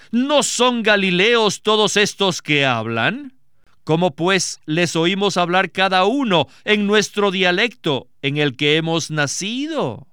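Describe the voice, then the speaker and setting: Male Bible teacher, unhurried, crisp clear voice, dry studio sound, measured emphatic reading. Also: high voice, bright, forceful tone, no echo. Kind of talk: scripted Bible exposition.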